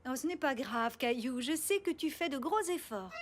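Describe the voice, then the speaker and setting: A woman's voice: high voice, lively intonation, normal speed. A woman voicing a patient, caring mother in a French children's cartoon. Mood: gentle, reassuring. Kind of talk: dubbed children's cartoon acting. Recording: music behind the voice.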